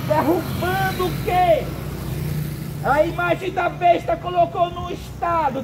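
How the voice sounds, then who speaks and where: A Brazilian man preaching a prophetic sermon in a solemn, halting way, in short phrases. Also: very high-pitched, very noisy.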